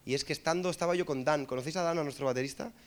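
A man with a Madrid accent preaching through a funny story, animated and joking, asking listeners for amens. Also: on the high side, racing. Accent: Madrid Spanish. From Spain. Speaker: preacher and musician. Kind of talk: humorous storytelling sermon.

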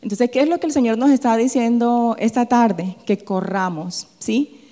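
A woman's voice: a little high, normal speed, warm tone. A woman preaching a sermon who keeps asking the audience questions and checking in with them. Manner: asks the audience frequent rhetorical questions with a tag "¿sí?". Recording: long hall reverb.

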